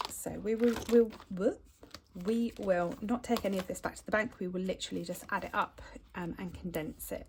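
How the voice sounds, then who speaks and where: A woman's unremarkable speaking voice at medium pitch and moderate pace, with ordinary pitch variation and big swings in loudness. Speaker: budgeting vlogger. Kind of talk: casual chat.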